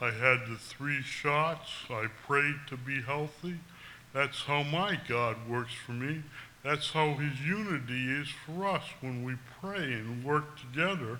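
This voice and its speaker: A man with a bright, sharp tone speaks at a very slow pace in a fairly high pitch. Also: ordinary pitch variation. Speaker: congregant giving testimony. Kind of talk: testimony. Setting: church. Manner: halting, with fillers.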